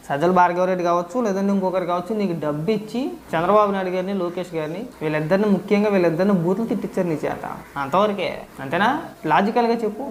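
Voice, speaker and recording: A man's voice: sits high, a little hiss or hum. A man ranting straight at the camera as an online political commentator, lecturing and firing off rhetorical questions. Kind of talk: scolding direct-to-camera rant.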